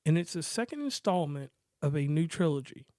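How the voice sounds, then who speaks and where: A man's voice: fairly high pitch, fairly quick, no room sound, studio quality. Laid-back man hosting a movie podcast. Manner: relaxed, rambling, jokey. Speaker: podcast co-host. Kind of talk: casual movie review chat.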